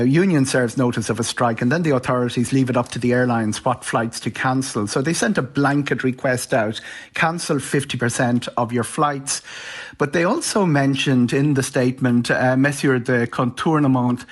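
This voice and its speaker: A man with an Irish accent giving an explanatory live radio news interview as a travel commentator, informal and somewhat stop-start. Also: medium pitch.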